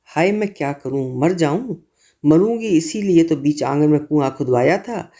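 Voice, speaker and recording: A man voicing an older mother in a storybook reading who wails and curses in outrage, her voice shrill and theatrical. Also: expressive, normal speed, mellow. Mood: furious. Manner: shrill, hysterical, theatrical lament.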